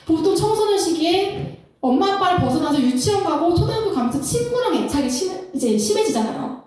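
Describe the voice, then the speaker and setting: A woman with a high, lively voice gives an animated talk as a Christian counselor, laughing often and acting out what couples say to each other. She is recorded from a distance in a very echoey room. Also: fairly quick. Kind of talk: lecture-style talk.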